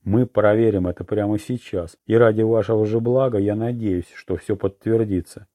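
A man voicing a stern, blunt middle-aged police commissar who speaks gruffly and sarcastically in an audiobook. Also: lowish voice, steady tone, normal speed, warm tone, no room sound, close to an everyday voice.

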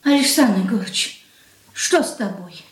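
Meek older wife, played by a woman, gentle, coaxing, radio drama. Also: a little high, animated, moderate pace, noisy background, natural voice. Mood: soothing. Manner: gentle, coaxing, soft-spoken. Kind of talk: 1980s studio radio drama acting.

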